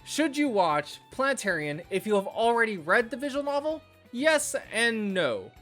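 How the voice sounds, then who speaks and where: A man's voice: very high voice, very animated, moderate pace, fairly bright tone. A man reading a scripted anime video review as a reviewer, with music playing behind him. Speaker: anime and visual novel reviewer. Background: background music.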